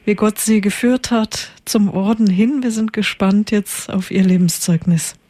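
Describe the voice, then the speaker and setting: A woman hosts a religious radio program, reading her introduction in a formal, measured manner. Her voice is mellow and warm, and the studio sound is close and dry. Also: medium pitch, no echo. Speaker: radio host.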